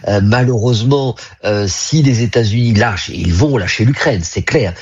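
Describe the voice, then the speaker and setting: A man speaks as a guest analyst, his low voice husky and a little breathy. He talks in measured stretches broken by frequent hesitations, then leans hard on key points. The sound comes over a dull, lo-fi remote line. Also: a little mellow. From United States. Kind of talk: live news interview commentary.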